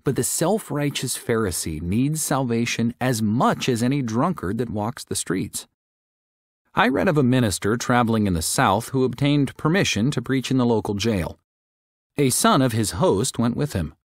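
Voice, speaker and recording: A male audiobook narrator reads religious prose with earnest, careful articulation. His medium-pitched voice rises and falls in a lively way. The sound is dry and close, with no room around it. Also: normal speed, dry recording.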